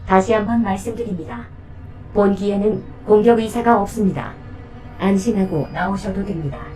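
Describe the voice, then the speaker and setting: An actress playing a polite, unflappable combat robot that protects humans, speaking in formal, matter-of-fact reports in an audio drama. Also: female voice, mid-range voice, moderate pace, a little mellow, far from the mic, soft background music, lightly acted, low-quality recording. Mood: calm, formal.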